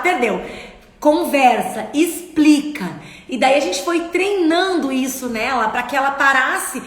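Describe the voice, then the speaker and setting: A middle-aged woman, a speech therapist, hosts a casual motivational live stream, chatting straight to her audience, asking them questions and reading comments aloud. Her voice is on the high side and a bit bright, in an echoey room with long reverb.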